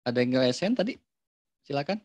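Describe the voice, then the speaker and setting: A man talks in a reflective, explanatory way, often slipping into acted-out examples. His voice sits at a middle pitch. The sound is dry and close, as over a video call. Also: big pitch swings, brisk, darkish tone, no echo. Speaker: parenting speaker. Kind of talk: online talk session.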